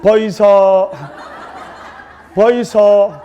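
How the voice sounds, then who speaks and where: A man voicing a young bride with a Gyeongsang accent who calls out loudly and pleads. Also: sits high, flat delivery, drawn-out words, muffled recording, a little hiss or hum. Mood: pleading. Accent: Gyeongsang dialect.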